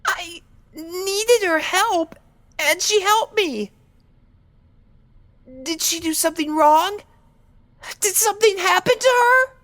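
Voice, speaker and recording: Timid injured cartoon pony mare: high, slow, hesitant, anxious audio-story voice. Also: female voice, fairly bright tone, heavily acted. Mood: panicked, pleading. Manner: hesitant, halting, pleading. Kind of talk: dramatic audio story acting.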